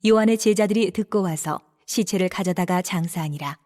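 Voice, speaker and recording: A woman narrating scripture in a steady, formal reading style. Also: lowish voice, a little fast.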